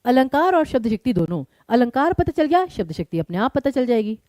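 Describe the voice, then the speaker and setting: A woman teacher leads an online exam-prep class, firing quick questions at her students and then walking through each answer. Her fairly high voice rises and falls with animation. Her tone is mellow and warm, recorded close and dry. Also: sing-song, dry recording. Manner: quizzes students and explains briskly.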